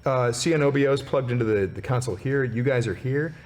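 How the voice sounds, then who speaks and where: A man's voice: mid-range voice, fast talker, a little mellow. A man running a tabletop game as game master, narrating in a playful way and laughing often. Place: studio.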